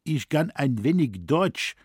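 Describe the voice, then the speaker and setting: A man voicing a polite prisoner of war speaking halting German. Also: on the high side, big pitch swings, husky, no room sound, studio quality, voice pushed up, heavily acted.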